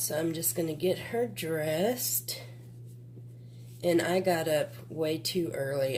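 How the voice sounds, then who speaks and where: With a Southern US accent, a woman talks very slowly in a very deep, low voice with lively intonation and audible room echo. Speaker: vlogger and reborn doll collector. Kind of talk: casual vlog. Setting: at home in nursery. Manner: quiet, talking low.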